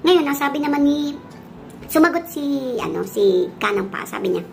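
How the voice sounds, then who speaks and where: A woman vlogger tells a silly folk tale to her viewers in a casual, playful way, laughing often. Her voice sits a little high and has a gravelly rasp, with a faint hiss of background noise. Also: animated, moderate pace. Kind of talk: casual comic storytelling.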